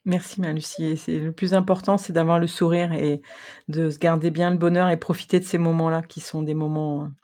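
A woman's voice: deep voice, level tone, a little fast, dark tone. A woman hosting a podcast who talks in an affectionate, hesitant way with frequent fillers. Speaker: podcast host. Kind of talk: casual conversation.

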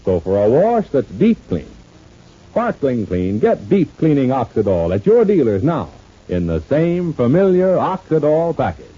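A man's voice: mid-range voice, very animated, a little slow, warm tone, husky. A man speaking as an old-time radio announcer, reading scripted ads and narration with a polished salesman's delivery. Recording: muffled, dull old radio recording.

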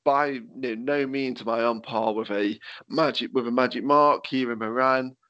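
A man with a slight lisp hosts a podcast, asking rambling questions full of fillers in a casual chat. His mid-range voice is bright and forceful with a steady tone at normal speed, with no echo, though the remote call gives dull lo-fi audio.

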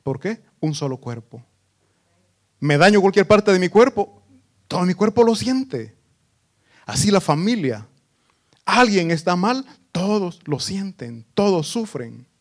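A man preaches a sermon in a high-pitched voice. He rises into emphatic, repeated phrases and then drops into low, quieter asides. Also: big pitch swings, unhurried, long pauses. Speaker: pastor.

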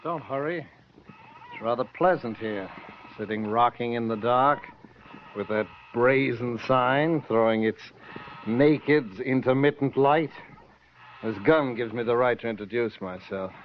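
Brief: actor as a cultured villain, languid and sneering, dull hissy radio tone. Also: male voice, medium pitch, a little slow, close to an everyday voice. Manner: urbane, languid and mocking. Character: smooth, cultured, sinister male gunman. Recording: dull old radio recording with faint hiss.

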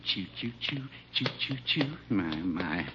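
An actor playing a meek, mild-mannered older druggist who speaks politely, with dry understatement, in a 1950s radio sitcom. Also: male voice, low-pitched, sing-song, takes it slowly, sharp tone, heavily acted. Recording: dull old radio broadcast, faint hiss.

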